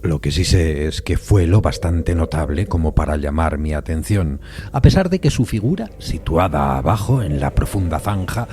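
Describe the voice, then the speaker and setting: A man giving a measured, literary dramatic narration of a classic suspense story. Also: low-pitched, warm tone. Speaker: narrator of an audio fiction adaptation.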